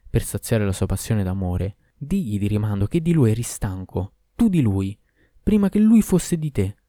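Furious jealous husband , read by a man, stern verse, low dark voice. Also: no room sound, studio quality, lightly acted. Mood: scornful.

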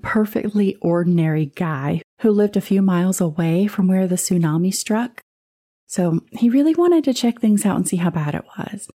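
A woman's voice: fairly low pitch, mellow. A woman with a Southern US accent hosting a podcast, telling a true ghost story in a casual, conversational way with asides and the odd whisper. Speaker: podcast host.

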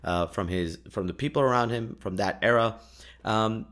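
A man's voice: lowish voice, moderate pace, fairly bright tone. A young man, a native Urdu speaker, telling travel stories in a chatty way, full of fillers, restarts and laughs. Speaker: podcast host. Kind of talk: casual travel storytelling.

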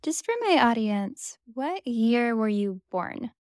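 Casual woman interviewer, higher pitch, dry close sound, curious questions. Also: sing-song, takes it slowly, a little mellow, dry recording. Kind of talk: conversational interview.

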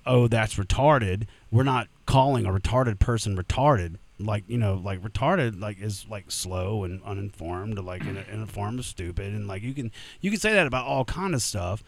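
Blunt, low-voiced punk musician man. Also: vocal fry, no room sound. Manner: blunt, casual, swears freely. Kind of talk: casual podcast chat.

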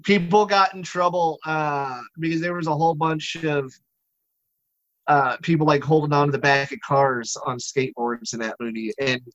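A man's voice: a little high, fairly even intonation, normal speed, fairly bright tone, no echo. A man chatting casually as a podcast co-host, his audio coming through a phone on a remote call and breaking up into a choppy, digitized buffering stutter. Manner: rambling, with many fillers. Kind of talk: casual chat. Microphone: phone audio over a remote call. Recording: dull lo-fi phone line, dry.

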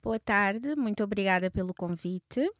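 Woman, 30s, from Portugal; mid-pitched, hesitant interview guest full of fillers, dry close mic. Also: animated, a little slow, fairly bright tone, no room sound. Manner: hesitant, with many fillers and restarts. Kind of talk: conversational interview.

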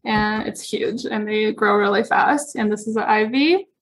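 A woman's voice: mid-range voice, normal speed. A woman hosting a podcast from a friend's plant-filled home, chatting casually and laughing often. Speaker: podcast host. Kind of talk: casual chat. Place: guest's home full of plants.

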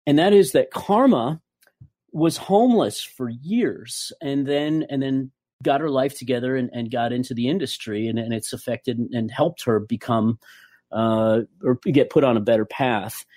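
A man's voice: medium pitch, measured pace, a little mellow, no echo, studio quality. A man speaking as a podcast host, telling stories and introducing a guest in effusive, emphatic conversational phrasing. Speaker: podcast host and adult film producer.

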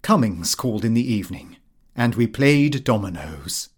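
Male British audiobook narrator for a comic diary: formal, prim diction, highly varied melody. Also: lively intonation, normal speed, breathy edge. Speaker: audiobook reader. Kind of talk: scripted narration of a comic fictional diary, read in character as the diarist.

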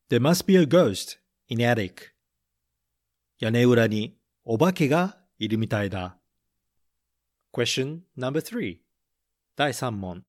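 A man reading a picture book aloud and running a gentle English vocabulary quiz for children, saying each line in English and then in Japanese. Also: mid-range voice. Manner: slow, careful delivery, repeating each point in English then Japanese. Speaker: storybook reader and English teacher.

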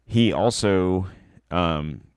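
A man's voice: deep voice, very slow, clean tone, no room sound, clean studio sound. A man hosting a podcast, giving blunt, sarcastic political commentary in a rambling way with many fillers, a little stuffed up. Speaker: podcast host.

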